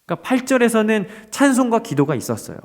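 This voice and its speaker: A male pastor preaching a dawn prayer sermon, expressive and asking the congregation rhetorical questions. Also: high-pitched, fast talker.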